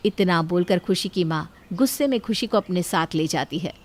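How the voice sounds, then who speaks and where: A woman's voice: lowish voice, expressive, moderate pace. Woman narrating a family drama story.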